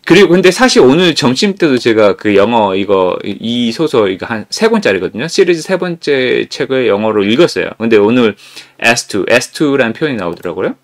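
Lively, stop-start male lecturer. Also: medium pitch. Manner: animated, reads English sentences aloud slowly and deliberately; frequent stammered restarts. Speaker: English learning channel host. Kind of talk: casual explanatory lecture.

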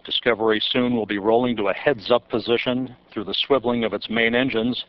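A man calls a rocket launch live, reading out times, altitudes and speeds in a steady, measured delivery. His voice sits in a middle pitch. The broadcast audio sounds somewhat dull and muffled. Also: dry recording. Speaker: launch commentator. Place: mission control.

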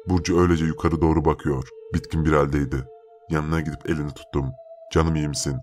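A man with an extremely deep voice narrates a first-person horror tale. His telling is steady and measured. Faint music sits quietly behind him.

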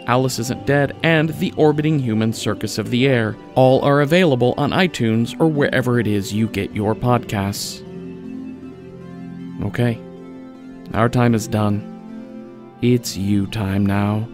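A man's voice: mid-range voice, moderate pace. A man reading scripted podcast credits and sponsor messages as an announcer. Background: guitar music.

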